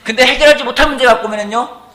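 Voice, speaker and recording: A middle-aged man preaching a sermon as pastor in a church, animated and often asking the congregation questions. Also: very high voice, very fast. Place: church sanctuary.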